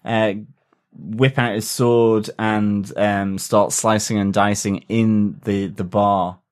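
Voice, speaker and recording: A man with a fairly low voice co-hosts a laid-back TV-review podcast. He muses in a relaxed way, often pausing on ums and uhs as he gathers his thoughts. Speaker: podcast co-host. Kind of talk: casual chat reviewing a TV episode.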